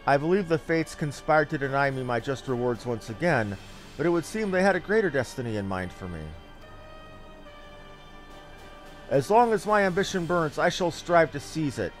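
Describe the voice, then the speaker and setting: Guy doing a power-hungry fantasy game villain, theatrical and full of himself, lively delivery. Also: on the high side, a little fast, faint music behind, close to an everyday voice. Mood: grandiose, defiant. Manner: grandiose, theatrical, archaic phrasing. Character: ambitious, self-important male villain hungry for power. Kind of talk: fantasy game dialogue read aloud.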